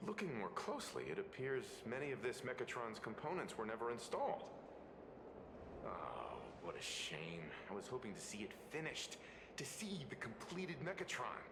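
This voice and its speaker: A man playing a polite, middle-aged robot enthusiast with formal, measured wording in a video game. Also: mid-range voice, big pitch swings, noisy background. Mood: wistful awe. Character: mature, polite man, earnest giant-robot fan. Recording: echo, loud game music behind.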